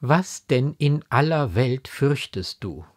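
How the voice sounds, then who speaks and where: Man playing an aristocratic mother, stern, indignant, raised husky voice, classic storybook reading. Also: mid-range voice, expressive, slow pace, pitched above the performer's own voice. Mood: anxious. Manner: indignant, exclaiming, elevated diction. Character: aristocratic mother, proud, stern, then anxious.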